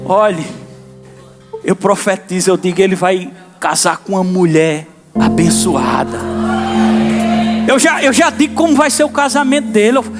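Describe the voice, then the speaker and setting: A man preaching a lively live sermon in a church and calling out to the congregation. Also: high voice, measured pace, long pauses. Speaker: pastor. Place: church service. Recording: sermon with instrument music behind.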